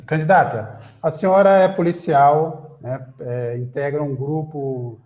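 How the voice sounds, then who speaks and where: A man's voice: a little high, measured pace, darkish tone. A man hosting a political interview, reading a scripted introduction and then asking long questions with many fillers. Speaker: interview host. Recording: echoey room.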